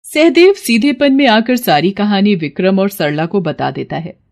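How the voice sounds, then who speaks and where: A woman tells a children's cartoon tale in scripted narration. Her delivery is expressive, with a lively, varied melody. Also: medium pitch, moderate pace. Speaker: storyteller narrator.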